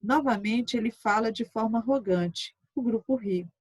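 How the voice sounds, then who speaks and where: A woman teacher reading a session transcript aloud in a steady, measured way. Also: a little high, husky, no room sound.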